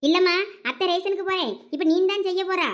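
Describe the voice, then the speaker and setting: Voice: very high voice, quick pace, fairly bright tone. A voice actor playing a scolding, fed-up village mother-in-law in a cartoon, with a Thoothukudi Tamil accent. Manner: scolding, nagging.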